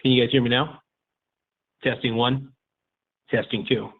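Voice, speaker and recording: A man's voice comes through a phone on speakerphone, thin and tinny. He is a live-stream host calling into his own show, casually counting off a mic test. His pitch sits in the ordinary middle range for a man. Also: fairly even intonation, measured pace, husky. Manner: counting off a mic check, repeating "testing". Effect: speakerphone on a cell phone. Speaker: livestream host.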